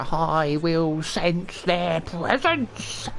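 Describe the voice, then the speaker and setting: In a put-on character voice at middle pitch, the speaker performs over clear background noise. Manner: bad amateur imitation, stilted.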